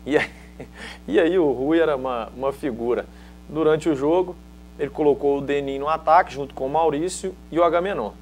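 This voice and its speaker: A man's voice: fairly high pitch, a little fast, slight background noise. A middle-aged man from Minas Gerais with a Mineiro accent, a former footballer telling anecdotes in a casual interview and acting out other people's lines. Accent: Mineiro Brazilian Portuguese. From Minas Gerais, Brazil. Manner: lively storyteller who acts out other people's lines.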